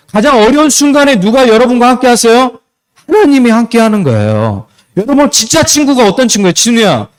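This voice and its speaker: Young male youth pastor, high and lively, preaching to teens with questions and acted scenes. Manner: asks the students questions and acts out short scenes. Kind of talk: youth sermon.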